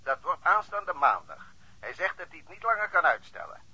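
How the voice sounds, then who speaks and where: A police superintendent in a radio play, dry and matter-of-fact. His voice is very bright and high, with a husky grain. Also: sing-song, moderate pace, muffled recording, heavily acted. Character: dry, steady male police chief on the phone. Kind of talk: radio drama acting.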